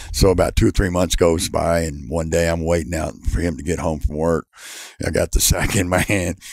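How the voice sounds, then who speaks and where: A man's very deep, low voice with vocal fry and a Texan accent, fairly quick, with ordinary pitch variation. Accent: Texan American. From Texas, Houston. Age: 60s. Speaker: shooting instructor and champion. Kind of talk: interview storytelling. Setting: podcast.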